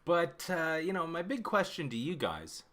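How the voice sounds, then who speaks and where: A man's voice: a little high, big pitch swings, normal speed, a bit bright. A fifty-year-old man from Canada chatting casually with his stream viewers, rambling, cutting himself off and swearing constantly. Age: 50s. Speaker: livestream host.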